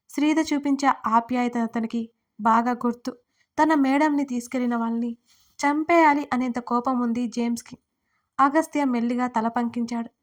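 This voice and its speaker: A woman narrating a dramatic audio story, reading the characters' lines in her own voice. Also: fairly high pitch. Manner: reads all characters' lines with little change of voice.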